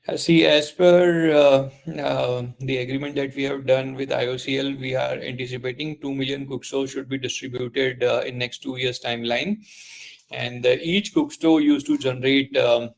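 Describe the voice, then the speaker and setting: A man with an Indian accent answering investor questions as a company executive on an earnings call, speaking haltingly. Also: medium pitch, flat delivery, creaky. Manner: halting, hesitant delivery.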